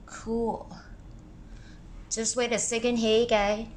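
A woman in her thirties, a yoga teacher, chatting casually and unhurriedly to her class on a live stream, with pauses. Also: medium pitch, a bit bright, roomy sound, slight background noise. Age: 30s.

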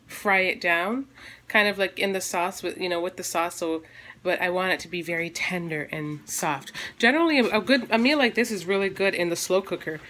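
A woman's voice: fairly low pitch, a bit bright, slight background noise. A woman in her thirties chatting casually while cooking at home, filming herself on a phone at arm's length, with lots of fillers and rambling asides. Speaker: family vlogger. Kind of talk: casual cooking vlog chat. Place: home kitchen, indoors. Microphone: phone camera held at arm's length.

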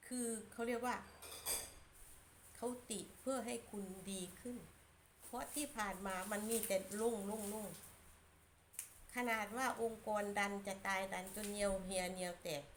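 A woman's voice: mid-range voice, moderate pace, pauses often, a little hiss or hum. A woman giving a blunt, scolding opinion monologue as a channel commentator.

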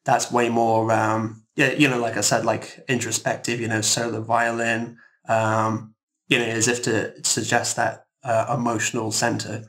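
A man speaking casually as a composer guest in a roundtable interview, explaining things in a halting, thoughtful, rambling way. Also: medium pitch, monotone, a bit bright.

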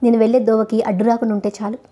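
A furious young doctor lashes out at his mother in bitter, scornful retorts, as a woman reads him aloud. The delivery is quick and the voice mellow and rather high. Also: flat delivery, close to an everyday voice. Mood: angry. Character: angry young male doctor, defiant son.

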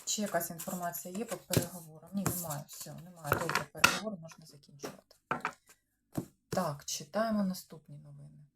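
A Ukrainian woman reads tarot about current news, her low, creaky voice moving briskly as she muses aloud. She talks to both the cards and her viewers, often trailing off. The recording is noisy and seems to use a clip-on or desk microphone.

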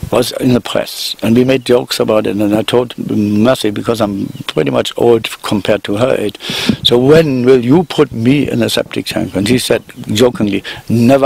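An older German man speaks with a German accent and a gravelly, husky voice. He makes a halting, earnest appeal outdoors among garden shrubs, talking into a handheld microphone. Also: mid-range voice, darkish tone, poor audio. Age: 60s. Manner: earnest, halting, with many restarts. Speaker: interviewee. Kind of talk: emotional appeal in a news interview. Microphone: handheld microphone held below the frame.

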